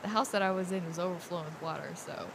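A woman's voice: fairly low pitch, quick pace, background noise. A young woman chatting casually and jokingly as a player in an improvised role-playing game. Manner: playful, joking.

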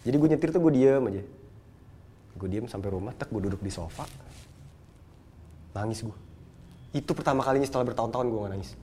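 A man's voice: medium pitch, darkish tone. A young man, telling a personal story in slangy casual talk. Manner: slangy Jakarta street talk, quick and storytelling. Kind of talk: casual chat.

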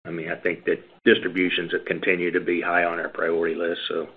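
The speaker is a male executive giving unscripted earnings call answers to analysts in a very low, even, slightly rough voice. He's measured and halting, hedging as he goes, and the audio has the narrow quality of a phone conference line.

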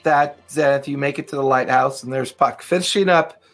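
A man's voice: mid-range voice, normal speed, a bit bright, faint music behind. Man narrating as game master. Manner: loose, filler-heavy narration.

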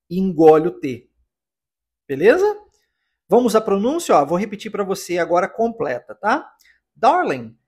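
Brazilian accent, English teacher, husky voice, patient, encouraging, podcast pronunciation lesson. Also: medium pitch. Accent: Brazilian Portuguese. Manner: patient, encouraging, explains step by step.

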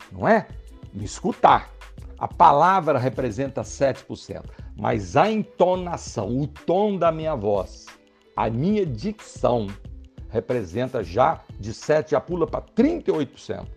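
Gravelly Brazilian man coaching salespeople. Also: on the high side, a little mellow. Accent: Brazilian Portuguese. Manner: emphatic, addresses listeners directly. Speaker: sales trainer. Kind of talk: motivational sales training talk.

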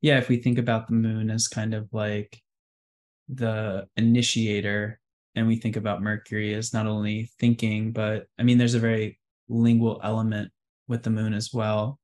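A man hosting an astrology podcast, asking questions gently and affirming his guest. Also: on the low side, moderate pace. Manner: even, gentle, affirming listener. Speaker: podcast host. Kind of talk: casual interview.

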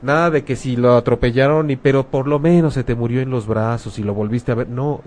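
A man's voice: medium pitch, steady tone, brisk, darkish tone. Frank Mexican man, casual talk. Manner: colloquial, frank, uses rhetorical questions and slang. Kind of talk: casual talk about grief.

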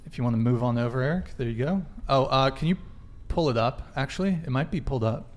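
A man moderates a casual panel as host. His voice sits at a middle pitch, and his manner is offhand and loosely organized. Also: expressive, fast. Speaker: talk show host.

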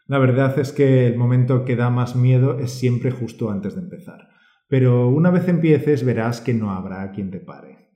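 A man co-hosting a language-learning podcast, speaking and reading aloud in a measured, encouraging teacher's way. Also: mid-range voice, mellow, roomy sound, muffled recording. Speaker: podcast co-host.

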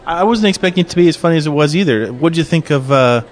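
Quick and expressive, this man's fairly high voice belongs to a podcast host chatting with theatergoers in a theater concourse. His on-location interviews are casual and upbeat, with plenty of fillers.

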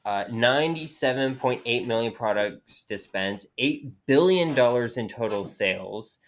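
A woman co-hosting a casual home podcast, reading out statistics haltingly with many fillers and swearing casually, her voice a bit worn. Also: very deep voice, animated, a little hiss or hum. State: losing her voice. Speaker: podcast co-host. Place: home, cats moving around.

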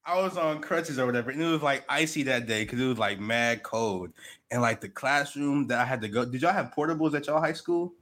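A young man co-hosting a podcast, telling stories in a relaxed, slangy, unhurried way. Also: medium pitch. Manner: laid-back slang storytelling, drawn-out. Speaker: podcast co-host. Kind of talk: casual chat.

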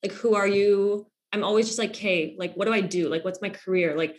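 A woman's voice: mid-range voice, fairly quick. A young woman hosting a podcast in a casual chat, her sentences full of "like" and fillers. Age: young adult. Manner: filler-heavy, lots of "like". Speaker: podcast host.

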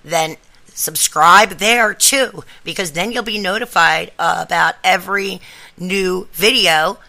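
A woman's voice: on the low side, takes it slowly, gravelly, bright, forceful tone. A woman hosting a podcast, talking casually and directly to her listeners in an encouraging, instructive way. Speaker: podcast host.

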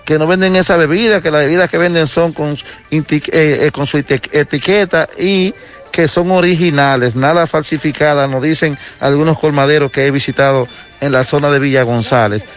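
A man's voice: a little high, fairly even intonation, fairly quick, faint music behind. A Dominican man working as a field reporter, reporting live for radio.

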